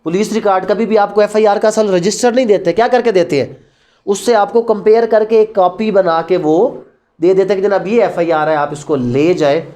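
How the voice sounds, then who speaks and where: A man with a Pakistani accent gives an explanatory lecture on evidence law, his high-pitched voice dark in tone and fairly quick. As a law lecturer he's didactic, raising questions only to answer them, while mixing Urdu with English.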